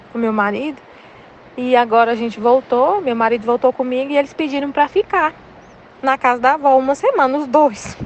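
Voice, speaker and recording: A woman's voice: fairly high pitch, dull audio, a little hiss or hum. A woman in her thirties with a Brazilian Portuguese accent, leading a Catholic study and candidly sharing a personal faith testimony in casual spiritual reflection. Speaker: Catholic study group leader.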